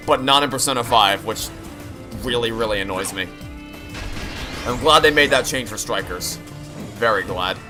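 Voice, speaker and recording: A young man giving casual, opinionated, rambling commentary as he plays through a video game. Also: mid-range voice. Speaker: video game playthrough streamer. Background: game music.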